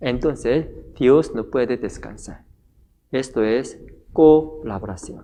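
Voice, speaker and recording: A man with a non-native accent, medium pitch and ordinary pitch variation, at a very slow pace. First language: not Spanish (speaking Spanish). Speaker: pastor. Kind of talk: sermon. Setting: church. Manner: halting, with many filler sounds.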